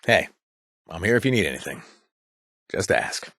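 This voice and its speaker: An actor voicing a gentle, awkward ex-raider companion in a video game, talking haltingly with many fillers and restarts. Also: male voice, sits low, sing-song, gravelly, dry recording, studio quality, heavily acted. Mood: friendly. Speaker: companion character.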